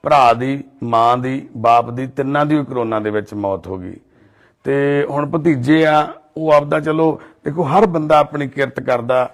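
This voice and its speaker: A man's voice: medium pitch, unhurried. A man with a Punjabi accent, narrating a family's story as a charity volunteer and earnestly consoling an elderly woman, in an outdoor residential colony. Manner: earnest, soothing, speaks of divine duty. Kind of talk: documentary narration and consoling talk.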